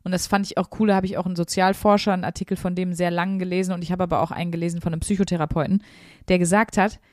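A woman's voice: on the low side, fairly even intonation, rapid-fire, a little mellow, dry recording, clean studio sound. A woman co-hosting a podcast, talking through her thoughts in an earnest, chatty way with many fillers. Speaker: podcast co-host. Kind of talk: casual podcast chat.

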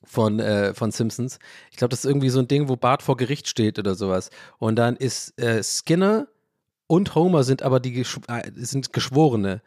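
A man hosting a casual solo podcast, talking in a rambling, animated way, restarting his sentences and often breaking into laughter. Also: mid-range voice, normal speed, dry recording, clean studio sound. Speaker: podcast host.

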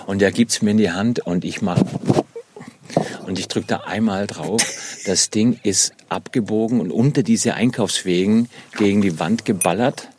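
A man's voice: lowish voice, normal speed, background noise. A man in casual chat, telling stories with many restarts and stammers.

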